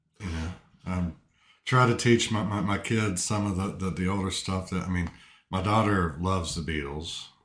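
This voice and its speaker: The intonation stays fairly even. The speaker has an Appalachian accent. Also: man, very deep, low pitch for a man, moderate pace. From Raleigh County, West Virginia. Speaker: attorney. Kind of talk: interview answer.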